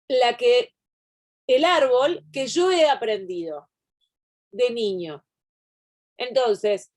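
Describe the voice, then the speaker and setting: A woman's voice: on the high side, a little mellow. A woman teaching a university class over a video call, explaining at length with frequent digressions and restarts. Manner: digressive, explanatory, thinks aloud. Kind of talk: online class lecture.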